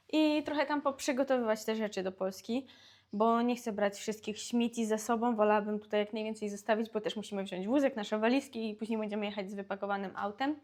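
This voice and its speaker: A young woman from Poland, a family vlogger and mother, chatting casually to the camera at home and talking through what she is doing. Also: fairly high pitch. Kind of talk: casual vlog chat to camera.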